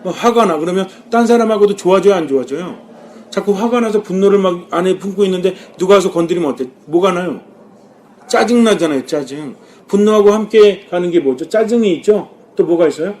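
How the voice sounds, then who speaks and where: A man's voice: sits high, a little fast, a little hiss or hum. A man, a Catholic priest, preaching a sermon, asking the congregation questions and answering them himself. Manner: lively, rising and dropping with emphasis.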